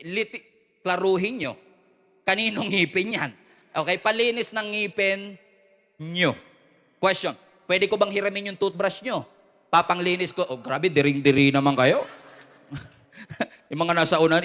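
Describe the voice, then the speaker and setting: A man preaching a lively sermon to his church. He mixes Tagalog and English, jokes with the crowd and calls for amens. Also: sits high. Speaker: pastor. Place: large church hall with a live congregation. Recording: long hall reverb from a church.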